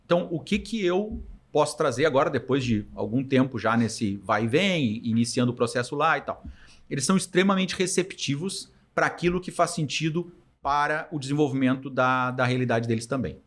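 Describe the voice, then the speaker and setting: A man with a southern Brazilian accent and a slightly high voice, talking very quickly. He speaks casually as an interview guest, with slangy, anecdotal phrasing that slips into imagined dialogue. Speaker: podcast guest, startup founder.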